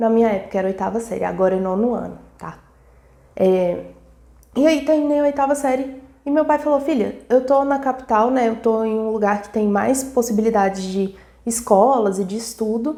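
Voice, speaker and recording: A woman's voice, fairly high in pitch with ordinary pitch variation, carries a dark, mellow tone. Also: moderate pace. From Minas Gerais interior (Araxá), Brazil. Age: 20s. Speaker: teacher, essay tutor. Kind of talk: casual personal talk to camera. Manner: conversational, lively.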